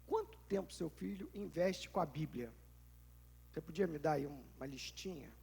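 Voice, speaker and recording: A man's voice: fairly high pitch, expressive, normal speed, vocal fry, darkish tone, husky. A male pastor with a Brazilian Portuguese accent preaches a conversational sermon, firing rhetorical questions and acting out little scenes.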